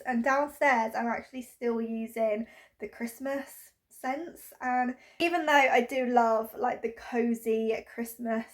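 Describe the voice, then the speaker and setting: A young woman with a head cold, sounding nasal and bunged up, chatting bubbly about cleaning her bedroom at home. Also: high-pitched. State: congested with a cold; out of breath. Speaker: home vlogger. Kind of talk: cleaning vlog chat.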